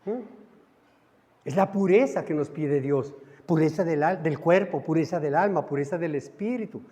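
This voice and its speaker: A man's voice: fairly high pitch, normal speed, warm tone. A man with a Colombian Spanish accent preaching a sermon as pastor, impassioned and acting out little dialogues. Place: large church hall. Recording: long church hall reverb.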